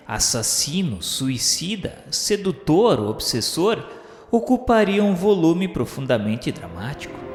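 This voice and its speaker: A Brazilian man reading a novel as grave, declamatory, formal dramatic narration. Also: mid-range voice. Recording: roomy long reverb with music.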